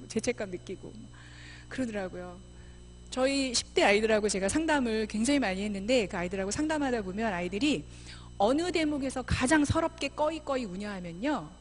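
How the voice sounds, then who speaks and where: Lively middle-aged woman preaching in church. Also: fairly high pitch, a little hiss or hum. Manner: lively, acts out mothers and children in quoted voices. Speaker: missionary speaker. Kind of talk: church seminar talk. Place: church sanctuary.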